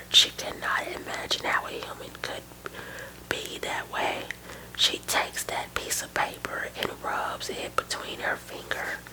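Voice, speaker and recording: Whispering comes from a woman at a fairly slow pace. There is noticeable background noise around her. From Arkansas. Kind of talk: ASMR bedtime story reading. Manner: whispered.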